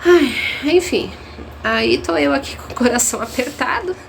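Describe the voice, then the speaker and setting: A woman's voice: on the high side, wildly swooping pitch, moderate pace, a little hiss or hum. A young adult woman, a mother and channel host, telling her viewers a story in a casual, earnest and emotional way. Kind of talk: casual vlog talk to viewers.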